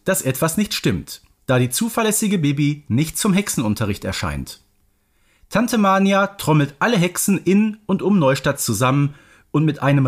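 A man reading out a scripted story summary in an expressive storytelling manner. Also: on the high side.

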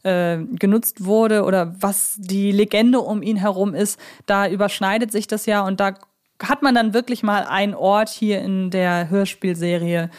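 A woman with a mid-pitched voice talks as a podcast co-host in a casual fan discussion. She is chatty and feels her way through sentences, hesitating as she looks for the right word. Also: fairly even intonation, measured pace, darkish tone.

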